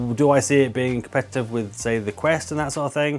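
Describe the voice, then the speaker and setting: A man with an English accent. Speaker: VR tech YouTuber. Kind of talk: viewer Q&A. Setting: corner of living room. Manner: mumbling; excitable.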